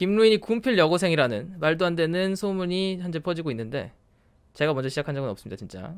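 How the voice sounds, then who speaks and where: A man talking at a very fast pace, in a very clean recording over a silent background. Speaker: gaming streamer / video creator. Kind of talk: casual monologue to camera. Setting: webcam video wearing a mask.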